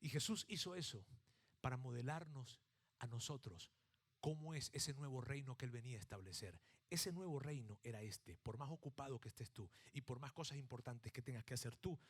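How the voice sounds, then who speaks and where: A middle-aged man from Mexico with a Mexican accent, preaching a sermon with animated storytelling that swings from acted-out shouts to hushed emphasis. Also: medium pitch, a little fast, husky. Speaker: pastor.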